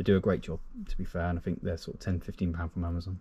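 A man's very deep, low voice, dark, mellow and somewhat breathy, at a very fast pace over light background noise. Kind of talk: casual gear walkaround. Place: garden. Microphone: camera far.

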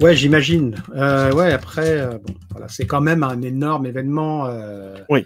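Light background noise runs under a man's voice. He speaks at a fairly slow pace with ordinary pitch variation. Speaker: tabletop RPG streamer. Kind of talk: casual live-stream chat. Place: home room. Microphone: studio mic.

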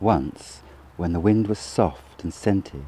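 A man speaks quietly in a very deep, low voice at a very slow pace. His pitch varies in an ordinary way, and the sound is dry with no echo. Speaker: reader. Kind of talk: literary audiobook reading, Lovecraft prose read aloud in a dreamy, atmospheric style. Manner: slow, measured and hushed, with languid, brooding, gothic delivery. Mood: calm, dreamy narration. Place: open country. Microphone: phone near.

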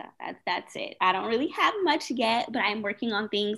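A woman speaks at a fairly high pitch with an energetic, animated tone and lively intonation. Her pace is fairly quick, and the background is quiet. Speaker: communications professional. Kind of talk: casual chat. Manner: fast talker. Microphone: video call.

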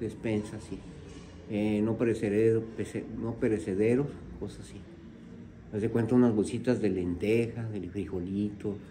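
Somewhat breathy and dark, mellow in tone, a man speaks at a fairly slow pace with long, frequent pauses. His loudness swings widely over light background noise. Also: fairly low pitch for a man, fairly even intonation. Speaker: retirement home resident; vlogger. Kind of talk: casual interview. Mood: calm, conversational. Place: home room. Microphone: phone near.

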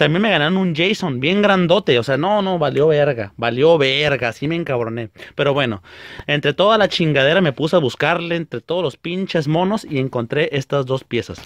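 A man with a Mexican accent speaks at a moderate pace in an animated tone with lively intonation, the sound dry with no echo over a quiet background. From Mexico. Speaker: YouTuber and video game collector; YouTuber. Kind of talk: casual vlog monologue; casual vlog chat. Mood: relaxed, joking, profane. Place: home room. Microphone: phone near.

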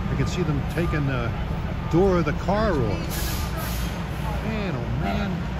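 The speech moves at a very slow pace. Loud background noise sits under a dry sound with no echo. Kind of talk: casual commentary. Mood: surprised, concerned. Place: street. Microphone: phone near.

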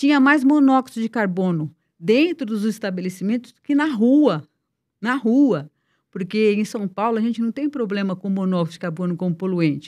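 A woman speaks at a moderate pace with lively intonation and big swings in loudness. The background is quiet. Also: fairly high pitch for a woman. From Brazil. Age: 50s. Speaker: cardiologist; guest. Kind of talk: interview. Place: studio. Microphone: studio mic.

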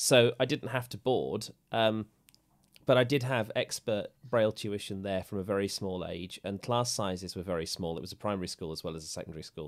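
A man speaks with a normal speaking voice at a fairly low pitch and a fairly quick pace. His pitch varies in an ordinary way, while his loudness swings widely. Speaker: braille specialist and podcast presenter. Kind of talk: panel discussion. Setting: video call.

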